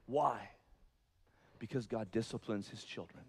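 A man preaching a sermon as pastor, moving between soft, low explanation and loud, high-pitched emphasis in an earnest, conversational way. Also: unhurried, gravelly, husky.

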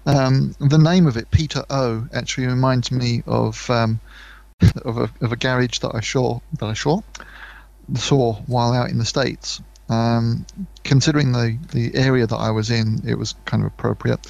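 Gravelly British man chatting casually. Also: medium pitch, fairly even intonation, normal speed, darkish tone, no echo. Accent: British English. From United Kingdom. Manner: rambling, many fillers and restarts; mimics voices for anecdotes. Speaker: podcast co-host. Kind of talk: casual chat.

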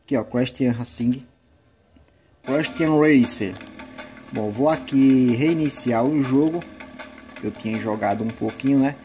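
A gaming video creator with a Brazilian accent gives casual, rambling, conversational gameplay commentary over loud game music. His mid-range voice is unhurried, with long pauses.

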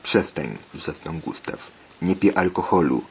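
A man's voice: deep voice, expressive, unhurried, creaky, darkish tone, breathy edge, dull audio, heavily acted. A man voicing a stern, scolding father. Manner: scolding, insistent. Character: stern worried father lecturing his son.

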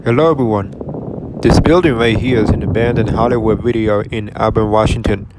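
Young dude from oregon, kinda low voice, matter-of-fact vlog walkthrough. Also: male voice, brisk, very noisy. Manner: plain, matter-of-fact commentary. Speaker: retail explorer vlogger. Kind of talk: casual walkthrough narration.

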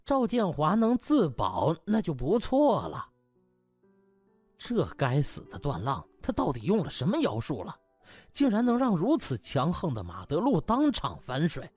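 A man's voice: on the high side, huge pitch swings, a little slow, darkish tone, husky, soft background music. A man narrating a comic novel in a theatrical, colloquial storytelling manner. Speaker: audiobook narrator.

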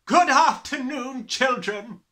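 A man voicing a gigantic, tyrannical headmistress in an audiobook, barking with slow, emphatic disgust and contempt. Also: very high-pitched, sing-song, sharp tone, pitched above the performer's own voice, full character voice.

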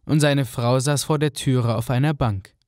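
A man narrating a fairy-tale radio play in a calm, clear storytelling manner. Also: medium pitch, moderate pace, no echo, studio quality. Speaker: narrator, also voicing the fisherman.

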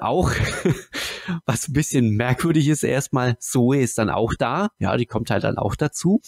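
A man's voice: mid-range voice, a little mellow, no echo. A man co-hosting a podcast, casually chatting and reviewing radio dramas. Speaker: podcast co-host.

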